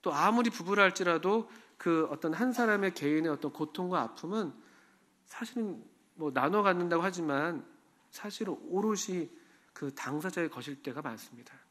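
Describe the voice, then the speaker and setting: A man gives a sermon in a church, his voice a little higher than most men's. He talks to the congregation in an easy, conversational way and often puts questions to them. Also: animated, normal speed, fairly bright tone. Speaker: pastor.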